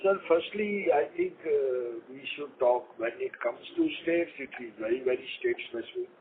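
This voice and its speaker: A male company executive with an Indian accent speaks over a thin phone connection with faint noise. He sits in a middle register and gives formal, wordy answers that come out haltingly. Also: medium pitch. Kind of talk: answering questions on an earnings call. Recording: noisy, narrow phone conference line.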